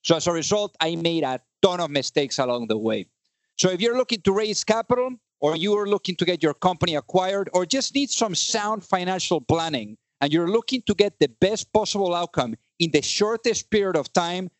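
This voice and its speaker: A man with a high voice hosts a business podcast. He sounds upbeat and doubles up words for emphasis. The recording is close and dry. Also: lively intonation, a little fast, no echo. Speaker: podcast host. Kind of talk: podcast hosting and ad read.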